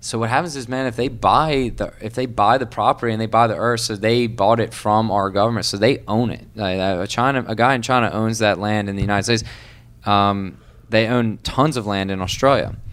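A man talks at a fairly quick pace with a New Orleans accent. His medium pitch shows ordinary variation. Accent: Southern US, New Orleans. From US South, New Orleans area. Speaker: entrepreneur and youth baseball coach. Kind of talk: casual chat.

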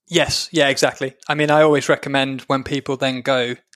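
A man with a Birmingham accent and a medium pitch is heard in a dry, close sound with no echo, in a very clean recording with a silent background. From Birmingham, England. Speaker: former racing driver and driving coach. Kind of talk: interview.

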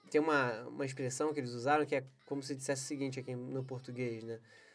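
Music plays in the background as a man speaks at a medium pitch. His intonation is monotone and flat. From Brazil. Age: 20s. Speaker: football podcast host. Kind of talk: casual football podcast monologue.

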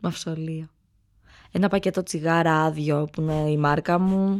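A woman's fairly low-pitched voice, with ordinary pitch variation and a fairly slow pace, on a very clean recording with a silent background. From Greece, Ioannina (Epirus). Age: 30s. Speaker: journalist and author. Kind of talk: personal testimony in interview.

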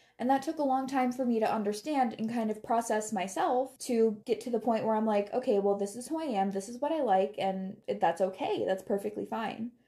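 Against noticeable background noise, a woman with an American accent and a fairly high pitch talks at a fairly quick pace with hardly any pauses and ordinary pitch variation. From Metro Detroit, Michigan. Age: 20s. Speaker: podcast co-host. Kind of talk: casual chat.

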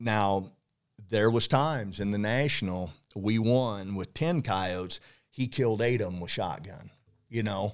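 A man at a fairly slow pace, fairly low in pitch with ordinary pitch variation, in a very clean recording with a silent background. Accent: American. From South Central Nebraska, US Midwest. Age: 50s. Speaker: professional predator hunter and TV show host. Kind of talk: casual interview. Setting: studio with livestream.

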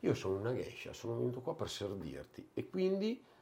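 Pitch swings very widely as the speech moves along at a moderate pace. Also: man. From Veneto, Italy. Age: 40s. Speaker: bartender and restaurateur. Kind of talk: casual interview chat.

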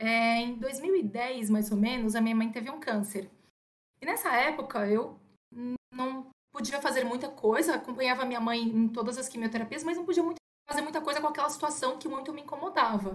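Speaking at a moderate pace, a woman has a high pitch and ordinary pitch variation. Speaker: startup co-founder. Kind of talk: casual interview.

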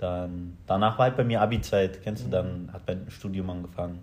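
A man speaks with a very deep, low voice and fairly even intonation. Audible room echo surrounds him. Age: 20s. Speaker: podcast co-host, student. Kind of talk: casual chat.

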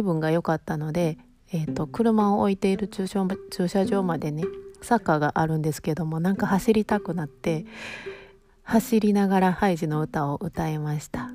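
Woman's medium-pitched voice in a Kansai accent, with ordinary pitch variation and a moderate pace. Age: 40s. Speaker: podcast host. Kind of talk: casual monologue. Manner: laughs often.

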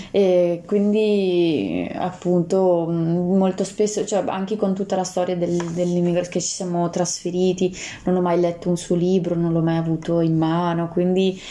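Noticeable background noise accompanies a woman speaking at a moderate pace. Her pitch is fairly low. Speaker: podcast guest sharing her immigration story. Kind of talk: casual chat.

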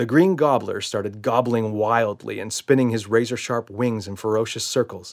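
Ordinary pitch variation in reading aloud in a natural voice.

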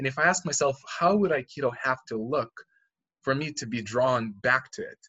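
A man's medium-pitched voice shows ordinary pitch variation and moves at a moderate pace. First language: not English. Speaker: martial arts podcast host. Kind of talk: casual chat. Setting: video call.

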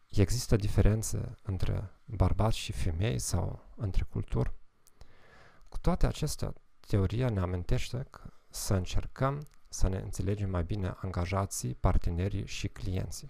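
A man speaks fairly slowly with a fairly low pitch and lively intonation. His tone is dark and mellow, with vocal fry. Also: very clean recording, silent background. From Germany. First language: German (speaking Romanian). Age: 40s. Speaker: psychologist and podcast host. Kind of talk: short educational monologue. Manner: scripted, formal.

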